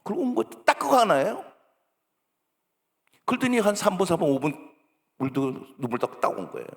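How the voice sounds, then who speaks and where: A male pastor preaching, acting out parents and children in lively bursts. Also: a little fast. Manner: acts out parent and child dialogue with sudden high-pitched bursts. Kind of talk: sermon. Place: church sanctuary. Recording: long church hall reverb.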